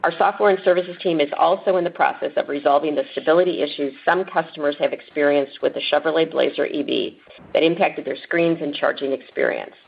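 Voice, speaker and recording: A woman executive reading a scripted earnings call statement in a formal, measured corporate manner. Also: low voice, gravelly, slight background noise. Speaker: company executive. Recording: muffled lo-fi conference call clip.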